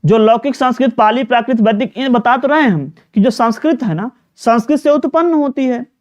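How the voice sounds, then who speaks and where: Speaking fairly quickly with lively intonation, this man has a very high-pitched voice. As a Hindi teacher in a live online exam-prep class, he steers students through each question, repeats words, keeps asking for their answers, and peppers his speech with fillers.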